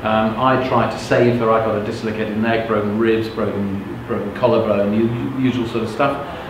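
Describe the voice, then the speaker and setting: A middle-aged Englishman whose first language is Russian shares his life story with a live audience as a motivational speaker, his voice lowish and steady at a normal speed. He speaks candidly and conversationally, frequently checking that people are following. The room is very echoey, with background noise.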